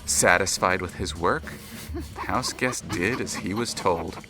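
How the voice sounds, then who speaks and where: Casting: omniscient narrator for audio drama; somewhat low, measured, dry literary delivery with music underneath. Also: male voice. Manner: deliberate, dry, literary phrasing.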